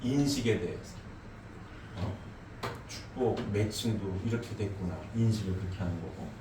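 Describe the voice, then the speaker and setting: This sermon comes from a middle-aged man with a fairly low voice and a moderate pace, recorded with background noise in an echoey hall with faint ambience. He preaches emphatically, poses questions to the congregation, and leans on frequent "eh?" tags.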